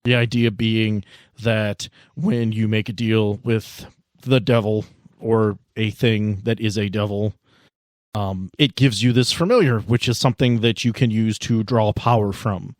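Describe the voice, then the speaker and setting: A man's voice: lowish voice, steady tone, a little slow, no echo, clean studio sound. A man narrating as game master of a tabletop game, describing scenes casually with asides and restarts.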